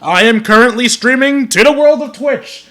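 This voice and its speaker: High-pitched man streaming games. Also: moderate pace, pushed and bright. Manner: wry, theatrical, self-deprecating. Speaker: game streamer. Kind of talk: joking livestream game commentary. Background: game music.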